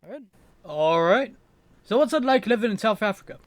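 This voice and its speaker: A man's voice: high-pitched, animated, a little fast, dry recording. A man interviewing a guest, asking brief and direct questions in a friendly, casual way.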